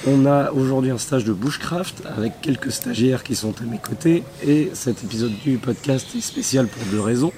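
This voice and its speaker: A man hosts a podcast outdoors with a hoarse, worn-out voice. He talks in a loose, relaxed way, full of fillers. Clear outdoor noise sits behind him. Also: medium pitch, moderate pace, few pauses. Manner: relaxed, chatty, many fillers. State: hoarse, losing his voice. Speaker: podcast host and bushcraft instructor. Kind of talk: casual outdoor podcast talk. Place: outdoors at a rural bushcraft camp.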